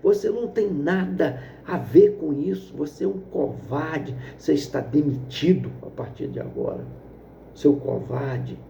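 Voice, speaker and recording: A man's voice: a little high, measured pace, vocal fry, mellow, slight background noise. Man voicing a stern farm-owner father. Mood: indignant. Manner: stern, indignant. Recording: echoey dull lo-fi room.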